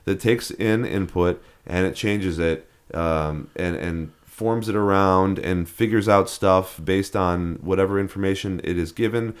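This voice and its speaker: A man with a fairly low voice talks through ideas in a loose, rambling way. He restarts sentences and leans on fillers as he chats with a co-host on a podcast. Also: unhurried, few pauses, clear, resonant tone. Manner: rambling, many restarts and fillers, laughs at odd names. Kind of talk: casual chat.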